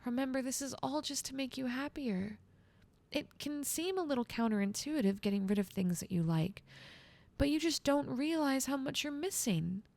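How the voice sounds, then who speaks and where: A woman playing a gentle, motherly guardian angel in a soothing, patient ASMR roleplay, speaking softly and coaxingly. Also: high voice, expressive, normal speed, vocal fry. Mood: earnest, gently firm. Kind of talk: soft-spoken ASMR roleplay.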